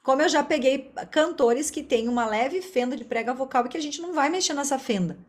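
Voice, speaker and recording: A woman's voice: high-pitched, a little fast. A Brazilian woman speaking as an interview guest, a speech therapist explaining her work in a talkative, conversational way. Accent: Brazilian Portuguese.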